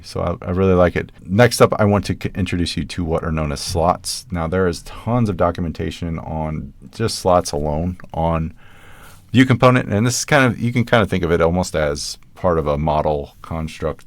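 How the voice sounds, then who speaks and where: Low-voiced man talking through code casually. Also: fairly even intonation, moderate pace, creaky, dry recording. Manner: casual, thinks aloud while typing code. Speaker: programming tutorial host. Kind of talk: screen-recorded coding tutorial.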